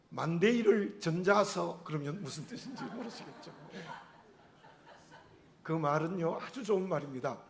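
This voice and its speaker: Rhetorical questions run through this earnest, measured sermon from a middle-aged male pastor. He speaks with a regional Korean dialect intonation, and his voice is on the high side.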